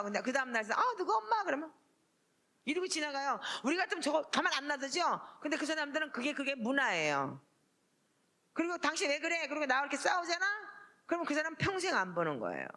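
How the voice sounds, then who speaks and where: A middle-aged woman pastor delivers a raw sermon testimony in plain, earthy speech. Her tone is bright and forceful, and her pitch leaps around as she tells the story. She talks bluntly, like she is chatting with the congregation. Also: big pitch swings, fast talker.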